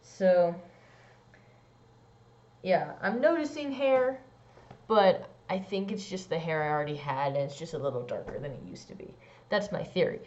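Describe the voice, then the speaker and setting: A young trans man vlogging a casual personal update, rambling with lots of "like" and "um" and swooping into squeaky high bits. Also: expressive, normal speed, long pauses, a little mellow. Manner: rambling, many likes and ums. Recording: dull lo-fi sound.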